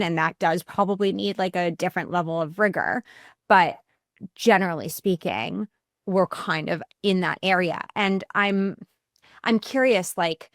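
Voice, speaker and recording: A woman's voice: lowish voice, dry recording, studio quality. A woman hosting a podcast, upbeat and chatty, often laughing as she asks questions. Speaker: podcast host. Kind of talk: podcast interview.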